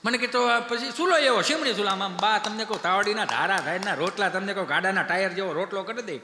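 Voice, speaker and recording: A man's voice: high-pitched, quick pace, slight background noise. A male comedian with a Kathiawadi Gujarati accent, telling rustic comic stories on a live stage. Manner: animated storyteller, rustic dialect banter. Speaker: stand-up comedian. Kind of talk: folk stage comedy storytelling. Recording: echoey hall, live stage PA.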